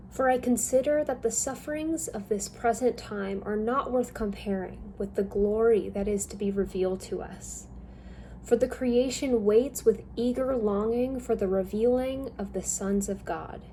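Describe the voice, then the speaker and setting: A young woman calmly reading a Bible passage aloud, in a careful, even manner. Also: a little high, slight background noise, rough recording. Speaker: scripture reader.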